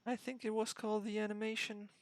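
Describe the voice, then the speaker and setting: A young man speaking English as a second language, chatting casually on a developer livestream through a headset, halting and searching for words. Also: high voice, flat delivery, dry recording. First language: a Slavic language close to Czech. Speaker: game developer.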